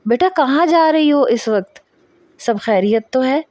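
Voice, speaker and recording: A woman's voice: sits high, expressive, darkish tone, dry recording, voice pushed up. A woman doing an anxious, pleading father-in-law. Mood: alarmed.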